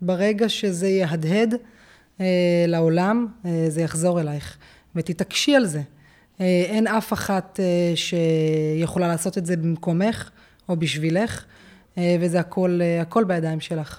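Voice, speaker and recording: A woman's fairly low voice at a very slow pace, with fairly even intonation, long, frequent pauses and a very clean recording over a silent background. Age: 30s. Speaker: marketing agency owner. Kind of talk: interview.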